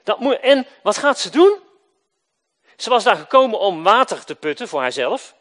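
A man preaching a sermon, swinging between loud emphatic lines and quiet low endings, and asking his listeners questions he answers himself. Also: sing-song, moderate pace.

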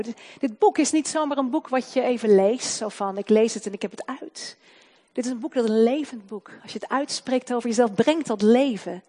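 A woman delivers a sermon in a voice pitched a little high. She swings between loud, fervent proclamation and soft, slowed emphasis on key words. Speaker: preacher.

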